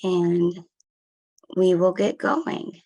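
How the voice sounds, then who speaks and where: Gravelly low-voiced woman presenting. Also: flat delivery, drawn-out words, a little mellow. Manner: conversational, loose phrasing with fillers. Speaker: peer recovery coach, guest speaker. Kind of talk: presentation talk.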